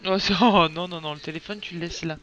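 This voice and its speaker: A woman's voice: lowish voice, steady tone, quick pace, a bit bright, muffled recording, faint music behind. A woman streaming a game with casual commentary, soothing a crying child between remarks.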